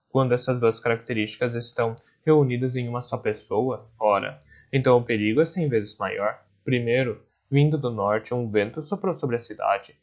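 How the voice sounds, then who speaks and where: A man reads an audiobook chapter as its narrator, telling the story steadily. His voice sits at a middle pitch. The recording is somewhat dull and lo-fi.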